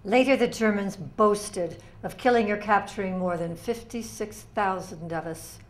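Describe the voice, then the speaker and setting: A somber female ghetto survivor, played by an older woman, testifies in a solemn dramatic reading. Her voice has a medium pitch. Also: unhurried, lightly acted.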